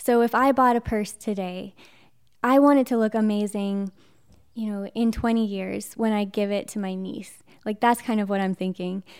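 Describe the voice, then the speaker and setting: Very clean audio with a silent background holds the speech. It runs at a moderate pace with fairly even intonation. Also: woman, medium pitch for a woman. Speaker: fashion YouTuber and podcaster. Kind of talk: casual chat. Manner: chatty.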